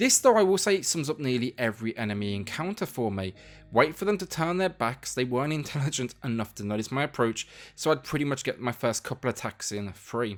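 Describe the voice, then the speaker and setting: At a very fast pace, a man with a medium-pitched voice speaks with very wide pitch swings. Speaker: game reviewer. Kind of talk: video game review narration.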